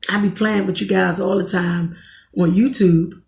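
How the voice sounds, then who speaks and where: A woman in her thirties from Washington, D.C., with a raspy voice, talking bluntly in a rambling podcast monologue and often correcting herself. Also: mid-range voice, fairly even intonation, normal speed, reverberant, background noise. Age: 30s. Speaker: podcast host. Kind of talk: casual monologue commentary.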